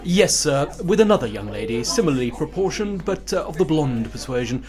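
A man's voice: fairly high pitch, very animated, brisk, crowd noise. A man playing a deferential, dryly polite hotel waiter, in an audio drama.

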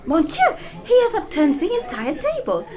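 A woman's voice: extremely high pitch, huge pitch swings, normal speed, a crowd in the background, full character voice. A woman in her twenties playing a hesitant young French company heiress with a French accent, in an audio drama. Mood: alarmed. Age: 20s. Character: young French woman heading aircraft firm.

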